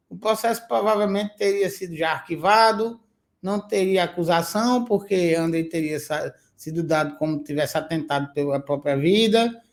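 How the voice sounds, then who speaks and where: A male podcast host, speaking emphatically and indignantly, with hesitant fillers. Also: high-pitched. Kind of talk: interview questions and commentary.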